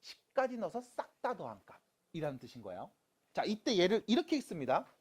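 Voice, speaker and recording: A math teacher lecturing high school students in a playful way, asking questions and answering them, with silly sound effects while writing. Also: sing-song, fairly quick, slightly rough. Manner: talks students through writing on a board.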